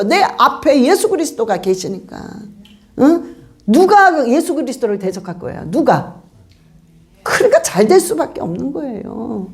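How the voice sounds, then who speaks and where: Woman pastor, high bright voice with wide swings, presses her points with repeated questions. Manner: emphatic preaching with rhetorical questions. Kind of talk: sermon.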